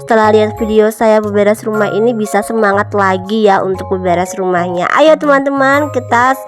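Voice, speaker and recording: A woman in her thirties narrating a home cleaning vlog, her voice a little nasal from a cold, chatting warmly to viewers she calls moms and friends. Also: medium pitch, moderate pace. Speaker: home vlogger, mother. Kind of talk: casual chatty voice-over narration. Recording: faint music behind voice-over.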